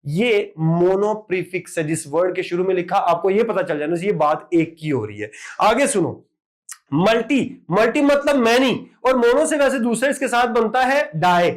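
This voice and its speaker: A man teaching exam vocabulary, drilling word after word in an animated lecture. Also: high-pitched, normal speed. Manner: lively, emphatic word-drilling with repeated "ठीक है".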